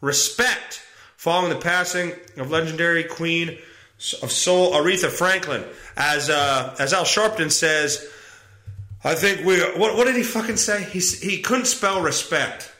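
A man with a fairly high, bright voice that swings widely in pitch as he rants through the news. He is sarcastic and foul-mouthed, and his talk rambles. The sound is echoey, as if recorded in a bare room at home. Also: a little slow. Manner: sarcastic, profane, rambling commentary. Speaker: podcast host. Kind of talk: casual solo podcast monologue reacting to news.

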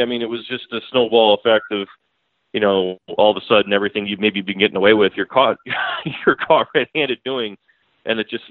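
A man with a lowish voice breaks down a football game in long, rambling runs, restarting his sentences and dropping fillers. He comes through a thin, tinny phone line with no room sound. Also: no room sound. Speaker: sports beat writer guest. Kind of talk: casual sports analysis. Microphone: phone call.

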